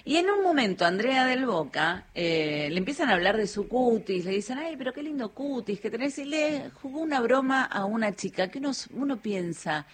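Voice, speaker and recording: A woman's voice: on the high side, big pitch swings, moderate pace, hardly any pauses, slightly rough. A chatty woman with an Argentine accent, talking casually as a radio panelist and often interrupting herself. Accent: Argentine, Rioplatense. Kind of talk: casual chat, entertainment gossip.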